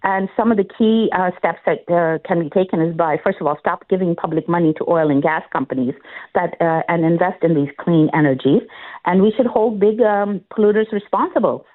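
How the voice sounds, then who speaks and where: A woman's voice: fairly low pitch, fairly quick. A woman candidate makes her case over a tinny phone line, her voice squeezed into a narrow band. She speaks earnestly and in a campaigning tone, stopping often to restart her sentences and fill the gaps. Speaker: political candidate guest. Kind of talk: phone interview on talk radio.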